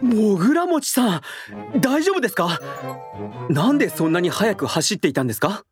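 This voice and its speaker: A man voicing a calm, clever police inspector in a storybook drama, speaking with composure. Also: sits high, normal speed, faint music behind. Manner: composed, lively intonation.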